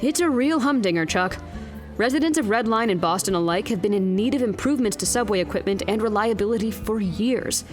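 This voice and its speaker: A woman playing a wry, exasperated field news reporter in an audio drama, speaking in a crisp, pointed broadcast style. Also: medium pitch, expressive, fairly quick, soft background music, natural voice.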